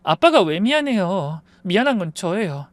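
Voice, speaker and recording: A wounded young wife and loyal daughter from an audio story, voiced by a male reader, her voice pitched high and lively. She pleads tenderly and then flares up indignantly. The sound is dry and close. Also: normal speed, no echo. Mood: pleading.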